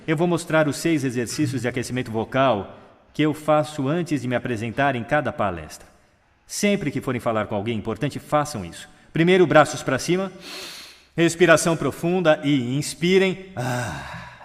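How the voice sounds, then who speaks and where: Guy giving a talk on voice stuff from a stage, big hall echo, swings his pitch and volume around. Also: moderate pace. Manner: expressive, demonstrates pitch, pace and volume shifts. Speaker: speaker on public speaking.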